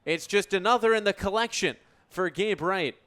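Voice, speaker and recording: A man's voice: sits high, normal speed, a bit bright. A young American man in his twenties calling sports play-by-play for radio in articulate, flowing descriptive calls. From United States. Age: 20s.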